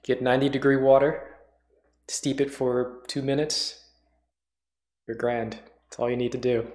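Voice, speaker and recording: A man's voice: medium pitch, flat delivery, measured pace, darkish tone. Offhand man chatting in an echoey room. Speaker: host. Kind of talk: casual chat. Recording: echoey room, music and radio play behind.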